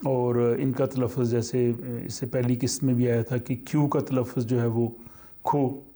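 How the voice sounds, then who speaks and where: A man teaching a language lesson, explaining slowly with many pauses and fillers. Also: mid-range voice, flat delivery, mellow.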